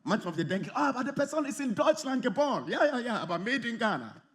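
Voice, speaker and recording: A man preaching a sermon in lively, slightly non-native German with English phrases mixed in. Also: very high voice, quick pace. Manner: animated, lively, often acts out quoted arguments. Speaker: pastor.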